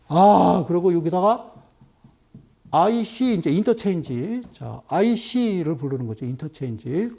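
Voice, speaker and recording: A middle-aged man lecturing viewers over a stock chart, animated and full of rhetorical questions and sudden exclamations. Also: a little high, creaky, breathy edge.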